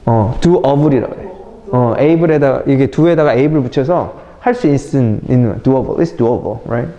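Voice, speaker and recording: A middle-aged man teaching English vocabulary in a lively classroom lecture, mixing English phrases into his explanations and talking to his students as kids. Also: mid-range voice, slow, dull audio. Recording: echoey classroom with faint noise.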